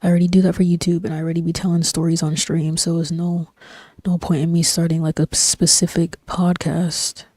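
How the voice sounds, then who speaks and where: A young woman streamer chatting casually while she plays, in a soft-spoken, breathy, near-whispered voice that rambles with lots of fillers. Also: on the low side, fairly quick, dry recording, studio quality. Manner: rambling, relaxed, frequent fillers and slang. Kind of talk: casual chat while gaming. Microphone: desk microphone.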